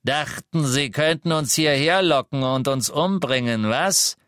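A man doing a rough, bellowing dark wizard. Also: on the high side, unhurried, dry recording, studio quality, voice pushed up. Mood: menacing. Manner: bellowing, sneering threats. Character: rough, brutal male dark wizard, menacing.

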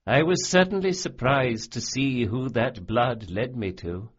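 A man's voice: mid-range voice, unhurried, breathy edge, highs cut off. A man voicing a smug, cruel male sorcerer who sneers and relishes every cruelty. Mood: gloating.

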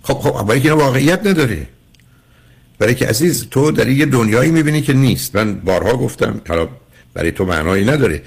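A man's voice: mid-range voice, animated, slightly rough. An older man hosting a radio call-in show as a psychologist, lecturing a caller emphatically and repeatedly calling him "dear".

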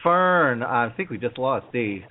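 A man's voice: mid-range voice, animated, a little slow. A man hosting a podcast interview, talking in an easygoing, rambling way. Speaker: podcast host. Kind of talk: casual interview chat. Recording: tinny phone-like line with faint noise.

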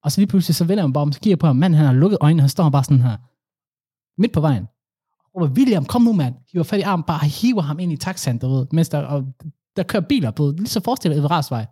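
A young man co-hosting a casual chat, telling animated stories with slang. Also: on the high side, breathy edge, no echo, studio quality.

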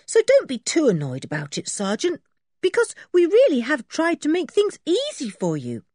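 A woman voicing an eager schoolboy who talks in a bright, lively way. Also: high voice, moderate pace, no room sound, clean studio sound, voice pushed up. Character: eager schoolboy, cheerful and chatty.

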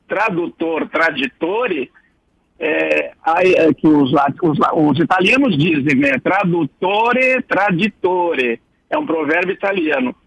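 Male radio columnist, husky and gravelly, chatty digressive lecturer on a dull lo-fi broadcast line. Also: high-pitched, fairly bright tone. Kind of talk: casual explanatory radio column.

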